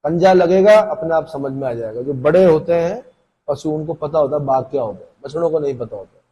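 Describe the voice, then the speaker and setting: A man's voice: a little high, a little fast, dark tone, husky, rough recording. A man teaching an exam-prep class, lecturing casually and asking questions that he answers himself. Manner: conversational, asks questions and answers them himself.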